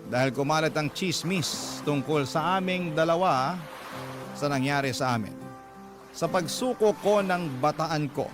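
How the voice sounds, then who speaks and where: Male narrator as vain, dramatic older gay letter writer, playful and campy, higher pitch, music bed. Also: measured pace, close to an everyday voice. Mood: wistful, dramatic. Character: vain, witty, dramatic older gay man telling his story. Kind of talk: first-person radio letter drama.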